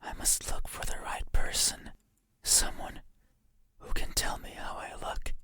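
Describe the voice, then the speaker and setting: A performer voicing an eerily gentle, obsessive demon in breathy, menacing, ASMR-like whispers for a horror game. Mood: soft, regretful. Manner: slow, deliberate, menacing.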